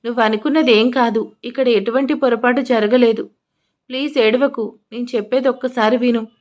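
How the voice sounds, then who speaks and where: A woman voicing a gentle young man who soothes and pleads. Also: fairly high pitch, steady tone, brisk, dull audio, close to an everyday voice. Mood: soothing.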